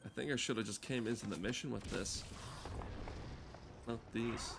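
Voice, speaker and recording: A man's voice: lowish voice, moderate pace, vocal fry. A man giving casual, sweary, joking gameplay commentary, often muttering to himself as he plays. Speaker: gaming video commentator. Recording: noisy background of game sounds. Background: video game ambience.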